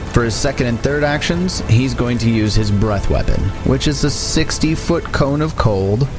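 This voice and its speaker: A man running a tabletop game as game master, narrating scenes and explaining rules. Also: on the low side.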